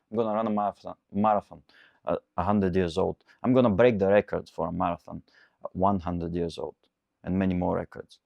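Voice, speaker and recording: A man's voice: deep voice, warm tone, dry recording. A man in his twenties, a coach, giving an earnest, repetitive motivational talk. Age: 20s. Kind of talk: motivational monologue.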